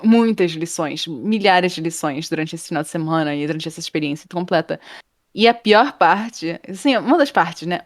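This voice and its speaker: A woman, a guest in an interview, telling a story in a casual, animated way and acting out the people in it. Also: on the low side, dry recording, studio quality. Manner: animated, acts out quoted people, laughs often. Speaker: interview guest, game art professor.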